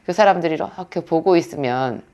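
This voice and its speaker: A woman's voice: low-pitched, a little fast, vocal fry, darkish tone. A woman, a pharmacist and pastor's wife, gives an earnest prayer lecture and tells stories with quoted dialogue.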